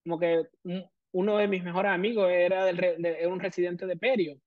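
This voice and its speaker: A man's voice: high-pitched, level tone, brisk, no room sound, phone-quality sound. A man from Venezuela in his thirties with a Venezuelan accent, a guest explaining his career at length with many fillers. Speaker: guest prosthodontist. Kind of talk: casual interview.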